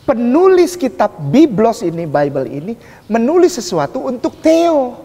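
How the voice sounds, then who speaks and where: A man giving a lively public lecture in a religious debate, emphatic, asking the audience rhetorical questions. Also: extremely high pitch, measured pace. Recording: echoey hall reverb.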